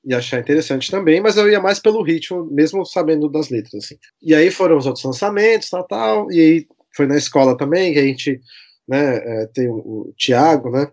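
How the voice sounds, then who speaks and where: Chatty São Paulo man, higher-pitched voice. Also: normal speed, darkish tone. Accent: São Paulo Brazilian Portuguese. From São Paulo, Brazil. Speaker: podcast guest. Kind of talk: casual conversational storytelling.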